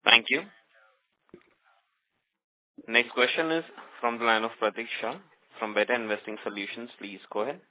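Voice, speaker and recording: Bright, forceful call moderator, male. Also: mid-range voice, steady tone, normal speed, long pauses, rough recording. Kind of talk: formal scripted call announcements.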